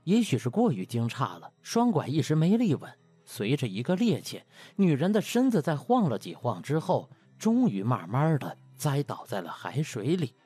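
A male audiobook narrator tells a comic story in colloquial, theatrical fashion. His slightly husky, higher-set voice swings widely in pitch, with faint music underneath. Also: wildly swooping pitch, normal speed, few pauses, dark tone, dry recording. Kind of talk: dramatized storytelling of comic web novel.

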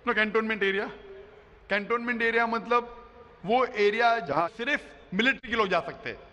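A middle-aged male preacher with a fairly high, bright, forceful voice explains his points emphatically, again and again checking that the crowd follows him. He speaks into a stand microphone on a big arena stage, and a long hall reverb trails behind his words. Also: moderate pace. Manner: emphatic, explanatory, often asks "you understand?". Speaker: Islamic preacher answering audience questions. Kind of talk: public question-and-answer lecture. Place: huge indoor arena stage before a large crowd.

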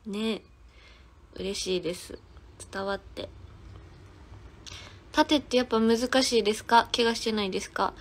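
A woman's voice: medium pitch, unhurried, pauses often. A woman in her twenties with a Kansai accent, chatting casually on a phone livestream, giggling and answering viewers' comments one by one. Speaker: idol singer hosting a livestream.

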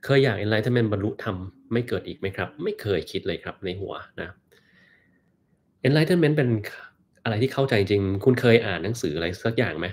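A man casually answering viewer questions on a live stream, relaxed and joking. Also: lowish voice, fast talker, hardly any pauses, a little hiss or hum. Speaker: host answering live chat.

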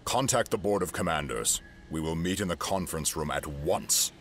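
A man playing a guarded, cold imperial governor in a sci-fi audio drama, speaking formally and in measured words. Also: extremely low pitch, a crowd in the background. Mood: cold, scheming.

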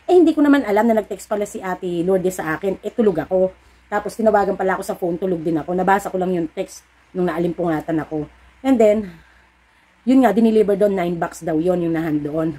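A middle-aged woman vlogs as a sari-sari store owner, chatting warmly with viewers in a lowish voice at a slightly quick pace. She tells stories with acted-out dialogue and gives encouraging, somewhat preachy pep talks.

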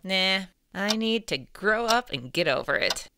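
Lively, easygoing female night clerk, acted. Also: mid-range voice, unhurried, noisy background. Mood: casual, joking. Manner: casual, chatty. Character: easygoing, talkative hotel night clerk, easily spooked. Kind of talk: audio drama acting.

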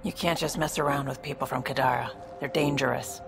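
A woman's voice: very deep voice, fairly even intonation, fairly quick, gravelly, music in the background. A woman voicing a protective, weary alien mercenary sister in a video game, dry, guarded and exasperated. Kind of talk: dramatic video game acting.

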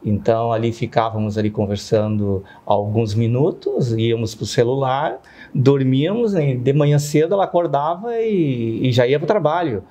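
Mellow-voiced man in his fifties. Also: medium pitch, animated, normal speed. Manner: frequent tag questions seeking agreement. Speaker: interview guest. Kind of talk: conversational personal testimony.

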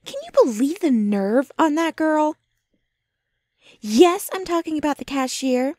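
A woman's voice: high voice, measured pace, darkish tone, no room sound, studio quality. A woman playing a jealous, possessive, doting young girlfriend in an intimate, dramatic ASMR roleplay. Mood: jealous, indignant. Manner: intimate, dramatic, swinging between ranting and breathy murmuring.

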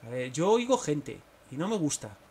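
Young male gamer with a Spain Spanish accent, voice somewhat high, live commentary, excitable, bursts into exclamations. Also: moderate pace, a little hiss or hum. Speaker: gaming streamer.

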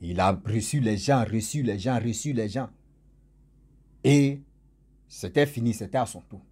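A man's voice: on the low side, a little slow, a little mellow, breathy edge. A man telling a story casually, with chatty, jokey asides to his listeners.

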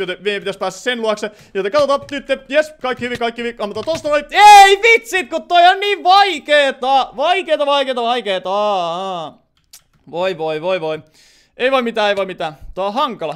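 Excitable young man streaming a game. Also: clear, resonant tone. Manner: excitable, bursts into high laughing shouts. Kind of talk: live Minecraft gameplay commentary.

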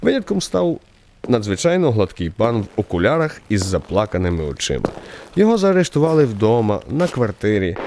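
Expressive male radio-play narrator, lively pitch swings. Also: a little hiss or hum. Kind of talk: expressive scripted literary narration.

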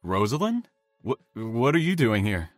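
A man's voice: on the low side, big pitch swings, measured pace, no echo, soft background music. An actor playing an awkward, polite man in an audio drama, speaking hesitantly. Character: Dan, awkward, polite male acquaintance.

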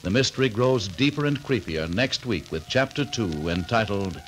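A man's voice: fairly low pitch, animated, normal speed, a little hiss or hum, poor audio. A man announcing and narrating a 1940s radio drama in a dramatic, ominous way. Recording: old radio broadcast with faint music.

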